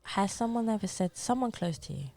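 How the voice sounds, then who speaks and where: A woman's voice: mid-range voice, lively intonation, brisk, mellow, soft background music. A woman hosting a podcast interview, teasing and playful as she asks questions. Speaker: podcast host.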